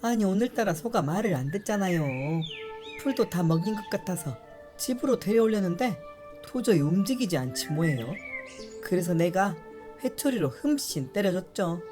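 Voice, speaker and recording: A woman's voice: mid-range voice, animated, normal speed, over music, pitched above the performer's own voice, close to an everyday voice. A woman voicing a hot-tempered young wife who nags and huffs in exasperation. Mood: irritated. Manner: whiny, exasperated sighs. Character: shrill hot-tempered young wife, nagging and quick to anger.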